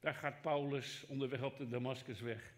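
A man preaching a sermon as pastor, emphatic and rhetorical, swinging from raised to hushed delivery and speaking straight to his listeners. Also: mid-range voice, steady tone, moderate pace. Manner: rhetorical, addresses listeners directly.

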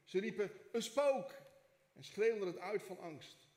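A man preaching from the pulpit, his voice a touch higher than most. He reads the scripture with lively expression, then slows into soft, halting prayer. The sound carries a long church reverb. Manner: reads scripture expressively, prays softly with hesitations. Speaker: pastor. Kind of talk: sermon with scripture reading and prayer. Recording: echoey church hall.

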